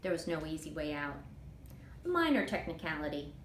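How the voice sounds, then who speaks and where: A woman author reading a children's novel aloud as expressive, scripted first-person narration. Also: sits low, a little fast. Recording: roomy echo, clear background noise.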